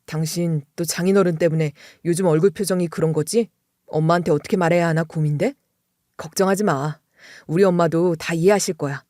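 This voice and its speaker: A woman's voice: fairly low pitch, fairly even intonation, brisk, a little mellow, dry recording, studio quality, pitched below the performer's own voice, natural voice. A woman voicing a devoted young husband who speaks firmly and protectively. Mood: reassuring. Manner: reassuring, firm.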